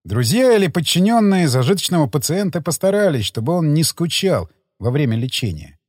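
Man narrating an animated audiobook. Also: fairly high pitch, a little fast, no echo, clean studio sound. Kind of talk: expressive scripted narration.

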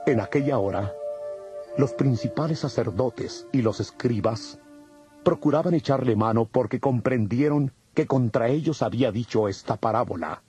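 A man narrating a dramatized audio Bible from a script in a husky, mellow voice. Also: mid-range voice, normal speed. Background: music.

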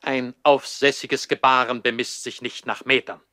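A man's voice: mid-range voice, level tone, normal speed, sharp tone, no room sound, studio quality, lightly acted. An actor playing a stern, formal baron and disapproving father in a German radio play from the 1960s. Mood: stern, reproachful. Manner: formal, admonishing, stiffly dignified.

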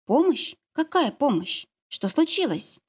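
A woman voicing a mild-mannered mother who is ill and just woken, with a hoarse, sleepy voice. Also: sits high, sing-song, measured pace, pitched above the performer's own voice. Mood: calm, puzzled. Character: sick, sleepy, gentle mother, adult woman.

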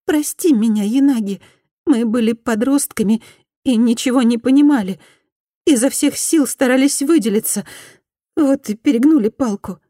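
A woman's voice: on the high side, normal speed, warm tone, dry recording, clean studio sound, pitched above the performer's own voice, close to an everyday voice. A woman voicing a remorseful former schoolgirl bully, now a housewife, who pleads in a thin, small, faltering voice and stammers slightly. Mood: confessing.

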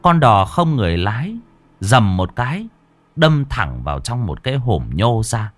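A man narrating a horror story in a dramatic, expressive way. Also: on the low side, measured pace, no echo.

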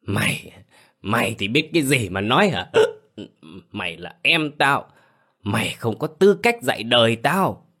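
A man's voice: fairly low pitch, lively intonation, moderate pace, bright, forceful tone, breathy edge, full character voice. A man voicing a furious drunken husband who roars threats in a slurred voice. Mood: slurred angry.

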